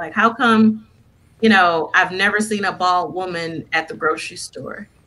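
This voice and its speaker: Noticeable background noise runs behind the recording. A woman speaks at a moderate pace. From Flint, Michigan. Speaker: beauty studio owner. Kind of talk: casual interview.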